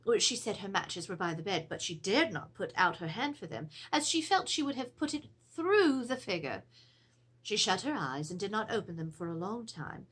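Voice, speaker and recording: Casting: actress as genteel Edwardian lady of a haunted house, theatrical dramatic reading, slightly husky, very varied intonation. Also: medium pitch, normal speed. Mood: grave, uneasy. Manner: formal, theatrical, expressive storytelling. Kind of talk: dramatic reading of a period letter. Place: small room with draped cloth backdrop.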